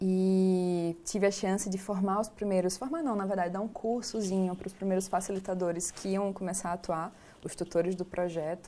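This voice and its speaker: With a Rio Grande do Norte accent, a woman speaks at a moderate pace with medium pitch, a dark, mellow tone, fairly even intonation and hardly any pauses. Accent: northeastern Brazilian (potiguar), noticeable. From Brazil, Natal (Rio Grande do Norte). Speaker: law scholar and restorative justice facilitator. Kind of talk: TV interview.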